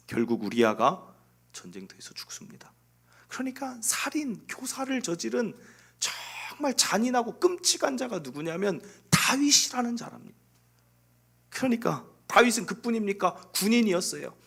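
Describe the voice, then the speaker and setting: High, animated pastor preaching dramatically. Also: male voice. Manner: dramatic delivery swinging from loud emphasis to hushed, near-whispered lines; earnest and confessional. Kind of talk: sermon. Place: church sanctuary pulpit.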